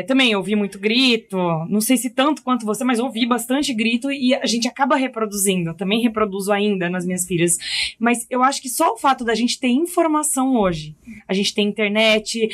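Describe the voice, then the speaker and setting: A middle-aged Brazilian woman, a mother, talking thoughtfully and hesitantly in a casual podcast chat. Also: on the high side. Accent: Brazilian Portuguese. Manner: thoughtful, hesitant, many fillers. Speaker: podcast guest.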